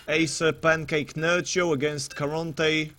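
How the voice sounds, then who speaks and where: Jokey, matey male esports caster, slightly high-pitched. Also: little pitch movement, a little slow, a bit bright. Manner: matey, jokey, rambling banter. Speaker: esports tournament commentator. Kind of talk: casual live game commentary.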